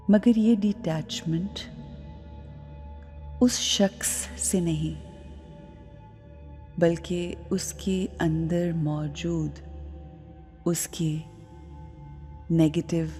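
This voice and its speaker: A woman leading a guided meditation, speaking deliberately in short phrases with long pauses between them. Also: low-pitched, dark tone. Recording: long reverb, music underneath. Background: music.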